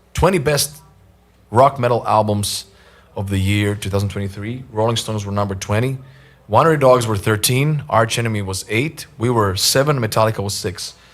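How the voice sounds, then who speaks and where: With a Croatian accent, a man speaks at a moderate pace in a medium pitch, his pitch varying in an ordinary way. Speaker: singer. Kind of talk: casual chat.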